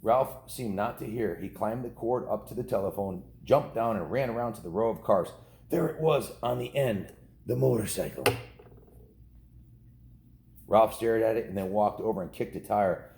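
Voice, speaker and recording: Laid back guy w low voice reading a kids book, chatty asides, roomy echo. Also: moderate pace, creaky, darkish tone, a little hiss or hum. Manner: informal, ad-libbing. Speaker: storybook reader. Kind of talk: casual read-aloud of a children's novel with chatty asides to kids. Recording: roomy, echoing indoor sound.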